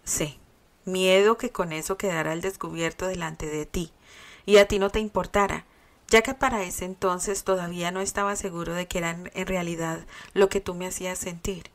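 A woman's voice: lowish voice, steady tone, normal speed, natural voice. A woman reading a fan story aloud and voicing a proud, teasing young man in tender confessions.

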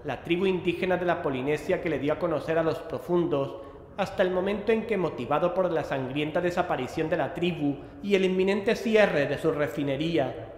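An actor from playing a serious investigator who explains things in a measured way, in an audio drama. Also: male voice, on the high side, close to an everyday voice. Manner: measured, expository. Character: serious male investigator briefing a colleague. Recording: echoing hall, noisy ambience.

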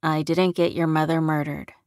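A woman's voice: deep voice, little pitch movement, moderate pace, a little mellow, no echo, clean studio sound, lightly acted. A woman voicing a tired, concerned man in an audiobook story, earnest and a little defensive. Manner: sympathetic, earnest, mildly annoyed.

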